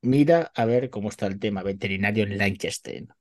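A man's voice: fairly low pitch, a little fast, a little mellow. A Spanish-accented man co-hosts a podcast interview and keeps it playful. He teases the guest and drops in joking asides in a loose, bantering way. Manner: joking, teasing. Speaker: podcast co-host.

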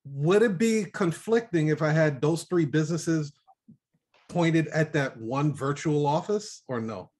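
A man hosting a casual online show, asking a guest questions and hyping up his listeners with quick, short replies. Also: fairly high pitch, a little mellow. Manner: upbeat, short acknowledgments, hypes the audience. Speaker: show host. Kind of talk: casual interview and live audience chat.

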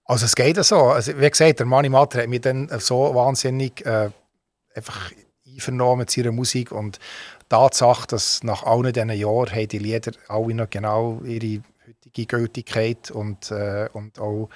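A Swiss man speaking German with a faint American accent, talking informally as a musician in an interview, often halting and correcting himself. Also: medium pitch, little pitch movement, no room sound. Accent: Swiss German with a faint American tinge. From Switzerland. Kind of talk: casual radio interview talk.

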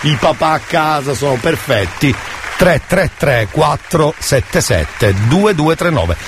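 A man's voice: on the high side, expressive, slow pace, crowd noise, background noise. A man hosting live radio chat in an emphatic, theatrical, playfully indignant way. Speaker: radio host. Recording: loud music bed under voice. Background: loud music.

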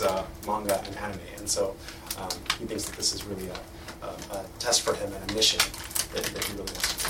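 A man interpreting on a panel, hesitant and full of fillers. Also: lowish voice. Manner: hesitant, many fillers and restarts. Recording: echoey room, distant mic, faint noise.

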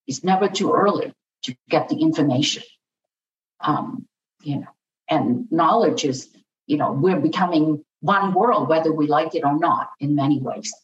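A woman speaking as a podcast guest, halting, with many fillers and restarts. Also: low-pitched, a little hiss or hum. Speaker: podcast guest, biotech partnering advisor. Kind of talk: conversational panel discussion. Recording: distant, echoey, dull remote audio.

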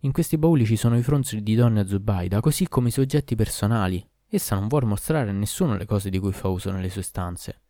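A man voicing a quick-witted young servant woman who pleads urgently, in a storybook reading. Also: on the low side, expressive, mellow, no room sound, studio quality. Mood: soothing.

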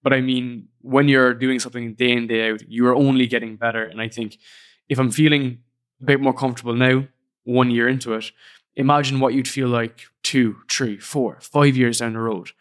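A young Irishman talks into his podcast microphone in a relaxed, earnest monologue. His voice sits at an ordinary middle pitch for a man. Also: normal speed, clear, resonant tone. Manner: casual, earnest, reflective. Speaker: podcast host. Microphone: studio podcast microphone.

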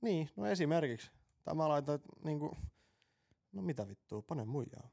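A man's voice: a little high, animated, vocal fry, a little mellow. A man co-hosting a casual podcast, telling rambling stories full of swearing and laughing at his own jokes. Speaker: podcast co-host. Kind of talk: casual crude banter.

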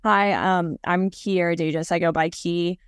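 A woman's voice: lowish voice, fairly even intonation, unhurried, smooth, no room sound, clean studio sound. A woman from Northern Kentucky, a dental student, introducing herself in an easygoing way. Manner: easygoing, with fillers. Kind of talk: casual self-introduction.

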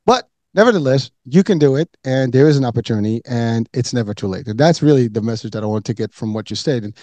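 Mellow-voiced man, earnest and rambling. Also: mid-range voice, no echo. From Morocco. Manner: earnest, repeats words and says "you know" often. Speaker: podcast host. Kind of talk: casual interview talk.

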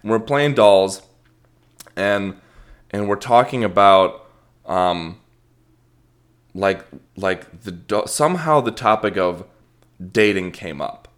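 A man's voice: lowish voice, lively intonation, takes it slowly, pauses often, fairly bright tone. A young adult man hosting a podcast, telling a rambling, self-deprecating story and swearing casually. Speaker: podcast host.

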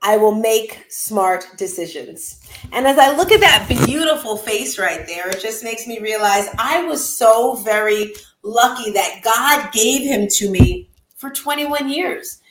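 A middle-aged woman, a bereaved mother, tells her story in conversation, earnest and heartfelt with sudden lively outbursts. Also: on the high side, unhurried, echoey room, a little hiss or hum, low-quality recording.

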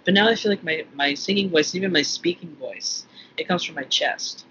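A man's voice: a little high, normal speed, sharp tone. A man co-hosting a podcast, talking casually and rambling with restarts. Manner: rambling, many restarts, laughs easily. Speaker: podcast co-host. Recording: dull lo-fi audio with faint room noise.

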